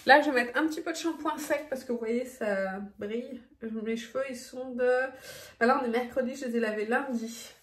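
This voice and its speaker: A woman's voice: on the high side, normal speed. A woman talking through her routine in a casual, chatty vlog, with frequent fillers and little laughs. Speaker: beauty vlogger. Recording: echoey room, faint background noise.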